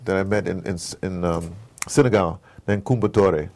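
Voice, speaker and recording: An American man being interviewed, talking casually as an animated storyteller and often checking in with "you know". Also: sits low, moderate pace, a little hiss or hum. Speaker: interview guest, audio drama maker.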